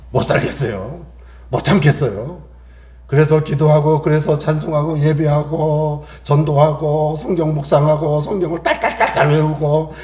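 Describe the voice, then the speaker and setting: Male pastor, high-pitched, emphatic repetitive sermon delivery, reverberant sanctuary sound. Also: darkish tone. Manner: emphatic, repetitive preaching with rhetorical questions.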